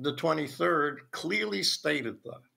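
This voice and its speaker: Using vocal fry and a bright, sharp tone, a man with a fairly high pitch speaks at a very slow pace. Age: 80s+. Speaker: rabbi and interfaith dialogue scholar. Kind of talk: conference talk. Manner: halting.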